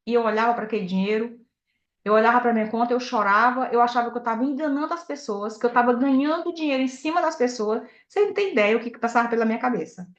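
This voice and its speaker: Animated woman, echoey talk. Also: a little high, fast talker. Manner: animated, personal storytelling, direct questions to the audience. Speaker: sales director giving a motivational talk. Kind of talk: motivational talk. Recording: echoey, dull lo-fi sound.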